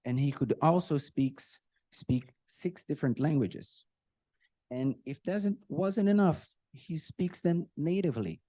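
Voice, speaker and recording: A man's voice: on the high side, lively intonation, unhurried, warm tone, no room sound. Emotional middle-aged man. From Brazil. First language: Portuguese. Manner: emotional, often clears his throat, self-deprecating humor. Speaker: speaker at a birthday tribute. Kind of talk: personal tribute speech with jokes.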